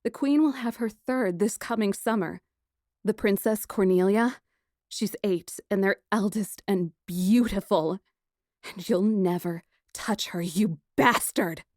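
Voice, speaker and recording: A woman playing a feisty, sarcastic young white mage in an audiobook, defiant, sharp-tongued and scornful. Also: medium pitch, unhurried, dry recording, clean studio sound, natural voice. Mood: taunting. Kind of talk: audiobook dialogue acting.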